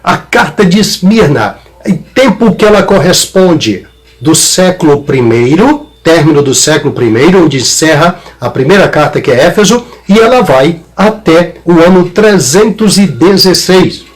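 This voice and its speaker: A man's voice: fairly high pitch, expressive, measured pace. A man, a pastor giving a conversational Bible teaching and often checking in with his listeners.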